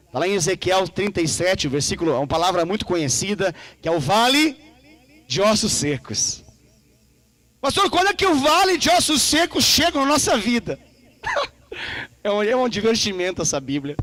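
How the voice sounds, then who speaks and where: A male Brazilian pastor delivers an animated, playful sermon, acting out conversations in changing voices. His voice sits high and leaps through a wide, lively range. The sound is close and dry, with no room echo. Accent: Brazilian Portuguese. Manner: animated, acts out dialogues with God in shifting voices; playful, joking and laughing with the congregation. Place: church service.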